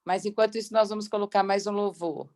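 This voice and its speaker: A woman's voice: medium pitch, steady tone, quick pace, a little mellow. A woman with a Brazilian accent hosts an online devotional informally and hesitantly, her voice strained by a lasting cough. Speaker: co-host of online prayer meeting.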